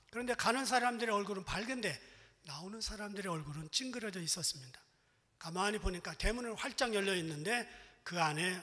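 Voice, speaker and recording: A raised, projected man's voice, high in pitch with a bright, sharp tone, at a moderate pace with ordinary pitch variation. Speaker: pastor. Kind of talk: sermon. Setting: church.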